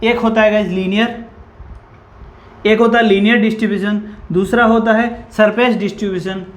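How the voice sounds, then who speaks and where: A man's voice: high voice, steady tone, normal speed, lo-fi sound. A man teaches a physics lesson in an echoey room. He asks the class questions and answers them himself, saying "guys" over and over. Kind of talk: whiteboard lecture.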